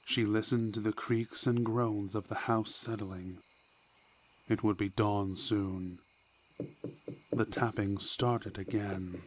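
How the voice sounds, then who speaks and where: A man reading a scripted horror story in a measured, deliberate way, with dramatic pauses. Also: fairly low pitch, fairly even intonation, background noise. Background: background music.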